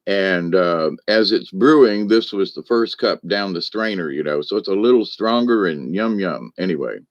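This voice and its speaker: Muffled recording captures a low, animated male voice at a moderate pace. He's a shaman running a livestream, drifting through folksy spiritual talk and repeatedly turning aside to speak to viewers.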